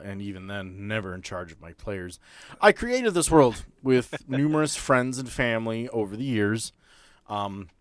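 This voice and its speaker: A man's voice: mid-range voice, dry recording. A man hosting as game master, talking casually. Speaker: game master and podcast host. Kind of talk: casual chat.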